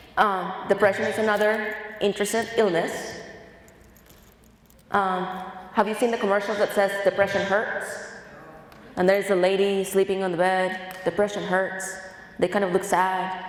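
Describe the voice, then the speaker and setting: A woman talks at a moderate pace with long, frequent pauses, her voice carrying audible room echo over noticeable background noise. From Colombia. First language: Spanish. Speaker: motivational speaker. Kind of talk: motivational talk to high school students. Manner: animated.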